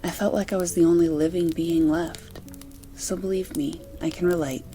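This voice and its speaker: A sympathetic female partner, played by a woman, speaks in an amateur audio drama. Her voice is dark, warm and slightly low, with a soft, soothing and caring delivery. Faint music sits behind her. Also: steady tone, normal speed, lightly acted. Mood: tender, concerned.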